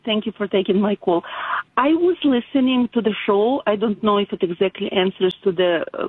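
A woman's voice: medium pitch, husky, no room sound. Hesitant older woman caller on a phone line. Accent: Eastern European. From Ukraine. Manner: hesitant, halting, many fillers. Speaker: radio caller. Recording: tinny phone line on old radio broadcast.

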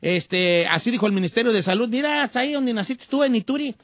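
A man's voice: very high-pitched, fairly quick, a bit bright, no echo. A man with a Mexican Spanish accent hosting a radio show, chatting about the news in a folksy, slangy, rambling way and repeating words. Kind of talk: joking news chat.

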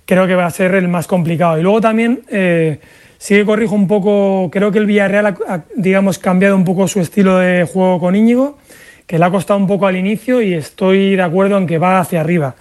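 A man who works as a sports journalist, giving measured analysis on a radio panel. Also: high-pitched, fairly even intonation, darkish tone.

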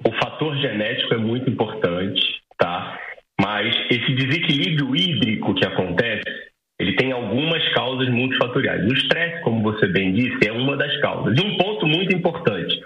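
A Brazilian man in his forties speaks as an ophthalmologist, explaining with homely comparisons and checking in with a quick "tá?". His voice is bright and forward. The line sounds dull and roomy, as if it were picked up by phone in an echoing room. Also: medium pitch, animated, a little hiss or hum. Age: 40s. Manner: explains with everyday analogies, adds "tá?" tags. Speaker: ophthalmologist guest. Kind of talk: explaining to a lay audience in a radio interview.

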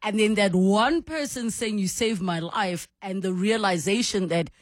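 A woman's voice: medium pitch, a little slow, no echo, clean studio sound. A woman hosting a radio interview, effusive, playful and teasing with her guest. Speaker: radio host. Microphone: studio microphone.

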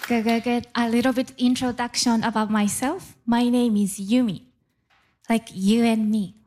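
A woman's voice: fairly high pitch, steady tone, normal speed, darkish tone, a little hiss or hum. A middle-aged woman from Japan with a Japanese accent, doing playful stand-up comedy and crowd work before a live audience. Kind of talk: stand-up set.

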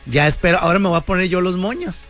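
A man's voice: high voice, animated, quick pace, fairly bright tone, soft background music. A man, hosting a radio show in a joking, slangy monologue. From Mexico. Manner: joking, slangy, playful banter. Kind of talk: casual comedic radio monologue.

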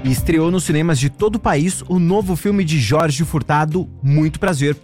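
A man reading a scripted entertainment news segment in a smooth announcer delivery. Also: fairly high pitch, normal speed, music in the background. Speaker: news presenter.

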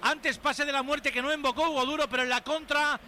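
Very high, bright male match commentator. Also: steady tone, a little hiss or hum. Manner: rapid, urgent play-by-play. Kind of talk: live football commentary.

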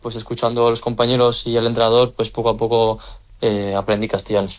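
Speaking fast in a monotone, this young man from the French Basque Country plays handball and fields interview questions casually. His pitch is medium, and hesitant fillers crop up often.

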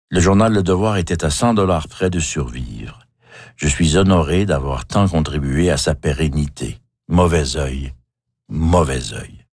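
Wry older Québécois man, deep voice. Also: a little mellow, no room sound, studio quality. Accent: Québécois French. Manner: wry, measured, self-mocking. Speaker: author narrating his own life. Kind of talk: scripted memoir narration.

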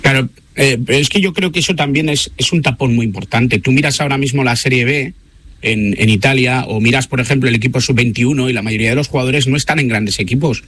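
Un hombre que comenta fútbol en la radio, con ganas de intervenir. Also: male voice, mid-range voice, fast talker, fairly bright tone. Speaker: football pundit. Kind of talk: radio panel discussion.

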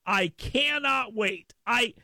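A man's voice: very high-pitched, takes it slowly, vocal fry, pushed and bright, dry recording, studio quality. A man hosting a talk radio show with a brash, sarcastic, riffing manner. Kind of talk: talk radio monologue with live read ad.

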